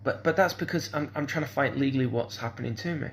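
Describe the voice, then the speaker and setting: Man, middle pitch, gravelly; hesitant rambling monologue with constant restarts. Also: fast, slight background noise. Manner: hesitant, repeats "kind of sort of", restarts often.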